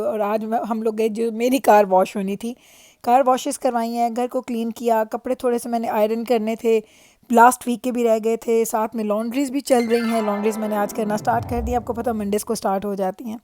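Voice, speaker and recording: A middle-aged Pakistani-accented woman narrates her family vlog in a conversational, reflective way. Her voice is slightly high yet warm and rounded in tone. She drops English phrases into her talk, and the recording is close and dry. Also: no room sound. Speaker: family lifestyle vlogger. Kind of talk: chatty, reflective vlog voice-over.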